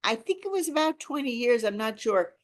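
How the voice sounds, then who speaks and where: A woman's voice: a little high, expressive, brisk. Earnest, emphatic woman in her sixties. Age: 60s. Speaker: reading group leader. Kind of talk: informal group discussion talk.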